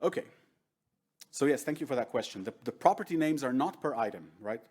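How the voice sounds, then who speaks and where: A man's voice: medium pitch, expressive, brisk, darkish tone, slightly rough. A middle-aged man whose first language is Hebrew, giving a conversational lecture at a conference and often asking the audience "right?". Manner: conversational, keeps checking in with "right?". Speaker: workshop presenter. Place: large conference room with seated audience.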